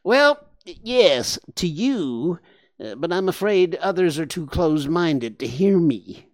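A lonely, good-natured warthog from a storybook speaks in a nasal, wet-sounding voice, as a man puts him on. He talks high and bouncy, with plenty of lift in his lines, and the sound is dry and close. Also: big pitch swings, takes it slowly, dry recording. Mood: friendly. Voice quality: nasal, slobbery. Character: friendly lonely male warthog, smelly, gentle.

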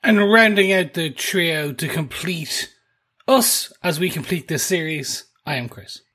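A man's voice: a little high, lively intonation, a little slow, bright, forceful tone, slightly rough. A man co-hosting a podcast in loose, casual conversation. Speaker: podcast co-host. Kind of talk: casual chat.

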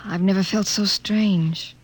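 Husky, earnest woman scientist. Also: medium pitch, steady tone, slow pace. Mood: bewildered, tender. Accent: American. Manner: earnest, hesitant. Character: earnest, repressed young woman scientist awakening to love. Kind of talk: 1950s American radio drama acting. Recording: vintage 1950s radio broadcast.

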